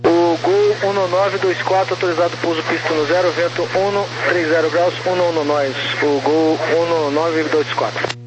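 Male Brazilian tower controller, slightly high voice, clipped air traffic phraseology on noisy radio. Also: steady tone, normal speed.

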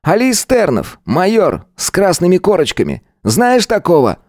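A man's voice: sits high, huge pitch swings, normal speed, darkish tone, dry recording, clean studio sound, voice pushed up, full character voice. A man voicing a brash, mocking teenage schoolboy who taunts and swaggers.

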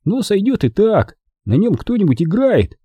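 A man's voice: high-pitched, big pitch swings, normal speed, dark tone, slightly rough, dry recording, voice pushed up, heavily acted. A man voicing a cheerful, brash boy musician who talks in a jaunty, grinning way. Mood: breezy.

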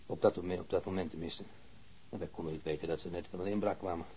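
A man playing a grumbling wounded policeman in a radio drama, halting and repeating himself. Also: sits low, fairly even intonation, a little mellow, slight background noise, close to an everyday voice. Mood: halting, searching. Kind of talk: naturalistic radio drama acting.

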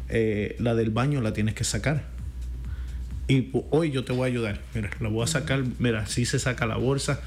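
A Puerto Rican pastor talks easily, slipping into quoted voices as he tells stories. His voice sits at an ordinary male pitch. Soft music runs faintly behind him. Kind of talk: casual faith talk.

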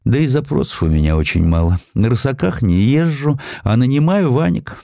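A man's voice: medium pitch, big pitch swings, moderate pace, creaky, warm tone, no echo, clean studio sound, voice pushed up. A man voicing a meek, shy and modest petty clerk in an audiobook, speaking in a mild, deferential manner. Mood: modest earnestness.

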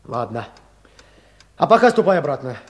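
A man's voice: medium pitch, very animated, moderate pace, lightly acted. An actor playing an earnest young village man who leads a hunt for bandits in a Russian radio drama, with a terse, commanding manner. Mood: stern.

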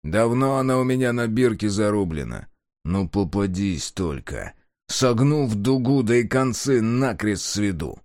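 Gang chief figure, voiced by a man, gruff, slow, threatening, dry close sound. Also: on the low side, expressive, a little mellow, no room sound. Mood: menacing. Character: gruff, menacing male gang leader.

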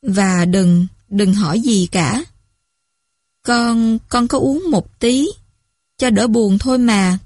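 A woman's voice: a little high, slow pace, darkish tone, no echo, studio quality. A woman voicing a drunk, frightened teenage girl on the phone to her mother, slurring and stammering as she pleads. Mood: slurred, frightened.

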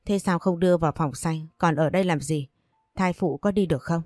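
A woman voicing a brisk middle-aged female doctor who gives short, commanding orders. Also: on the low side, dark tone, dry recording, clean studio sound, faint music behind, lightly acted. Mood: curt. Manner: curt, commanding.

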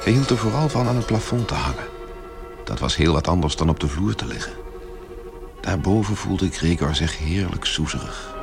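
Over clear background music, a calm radio play storyteller. He narrates from a script in a deep voice. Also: normal speed. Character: calm storyteller of a strange tale.

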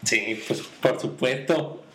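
A man's voice: mid-range voice, slow, a crowd in the background. A man with a mid-range voice, recorded in an echoey room. He co-hosts a casual podcast, laughing off jokes aimed at him in good humor. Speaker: podcast co-host. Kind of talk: casual chat.

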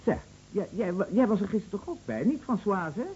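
An actor playing a chatty, teasing, fretful bedridden husband in a radio play, stammering and musing with theatrical emphasis. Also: male voice, sits high, expressive, brisk, darkish tone, breathy edge. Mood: fussy, needling. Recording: muffled old radio play recording, slight noise.

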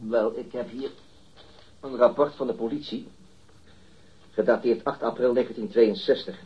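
An actor playing a formal, persistent police detective questioning a witness in a radio drama, politely insistent. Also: male voice, medium pitch, fairly even intonation, normal speed, slightly rough, highs cut off. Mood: official, matter-of-fact. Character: male police detective inspector, formal, persistent, coolly pressuring. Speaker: interrogating police officer. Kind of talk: radio drama dialogue, interrogation.

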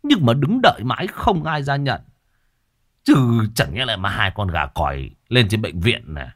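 A man's voice: mid-range voice, sing-song, moderate pace, no room sound, clean studio sound. A man playing a sheepish young servant full of excuses. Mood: excusing. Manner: wheedling, making excuses.

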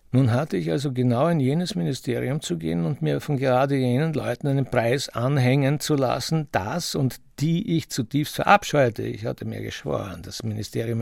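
A bitter sardonic writer, really creaky voice, close dry sound, emphatic radio play monologue. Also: male voice, mid-range voice, a little mellow, dry recording. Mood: bitter, resigned. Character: aggrieved Austrian writer nearing forty, scornfully recounting his life. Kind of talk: literary first-person radio drama monologue.

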